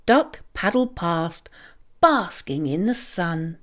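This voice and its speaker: A woman reading a children's story aloud as an expressive, deliberate, sing-song narrator. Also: on the low side. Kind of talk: animated scripted read-aloud narration for children.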